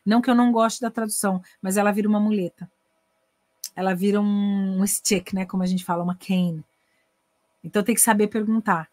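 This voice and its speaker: A middle-aged Brazilian woman teaches English in a relaxed online masterclass. She speaks with a Brazilian Portuguese accent and a lively, animated delivery, acting out dialogues between languages. Her voice is recorded dry and close, with no room echo. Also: mid-range voice, a little fast.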